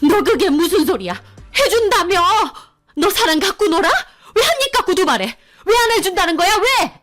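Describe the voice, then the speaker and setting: A woman voicing an angry older mother-in-law on the phone, shrill and barely holding her temper. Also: big pitch swings, normal speed, a bit bright, soft background music, exaggerated voice. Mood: shrieking outrage.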